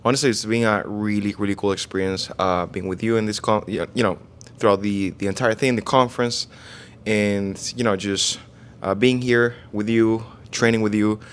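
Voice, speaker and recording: Halting Venezuelan man, lowish voice. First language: Spanish. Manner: halting, searches for words, many restarts. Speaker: guest, online fitness coach. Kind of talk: casual interview.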